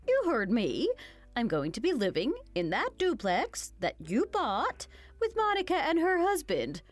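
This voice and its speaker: A woman voicing a cruel, greedy older mother-in-law who mocks and insults in an animated story. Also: high-pitched, a little slow, no echo, full character voice. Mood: sneering. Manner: sneering, insulting, mocking.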